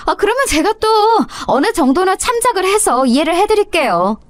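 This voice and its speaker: A woman's voice: very high voice, big pitch swings, brisk, no echo, studio quality, pitched above the performer's own voice. A woman voicing a young, insolent daughter-in-law who talks back with sarcastic, mock-polite cruelty, for a radio story drama. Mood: sneering.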